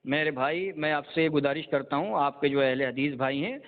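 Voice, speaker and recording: A man, a mufti, arguing insistently with a caller in a heated religious phone debate, lecturing and repeating his points. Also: a little high. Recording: tinny phone line.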